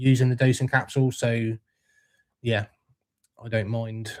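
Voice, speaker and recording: A man with a British accent, monotone, flat intonation and a moderate pace. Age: 40s. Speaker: livestream host. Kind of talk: casual live chat reading comments. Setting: live stream. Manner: casual, chatty.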